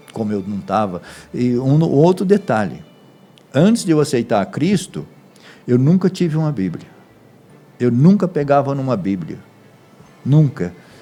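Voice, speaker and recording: A man's dark, mellow voice, fairly high in pitch, with very wide pitch swings, a fairly slow pace and long, frequent pauses. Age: 70s. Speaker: church deacon. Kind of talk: testimony.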